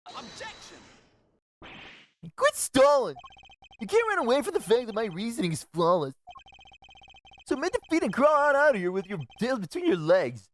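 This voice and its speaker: A woman's voice: a little high, very animated, moderate pace, long pauses. A woman voicing a cocky, taunting boy detective in a live reading of a game. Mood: boastful. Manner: boastful, taunting. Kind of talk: live voiced game playthrough.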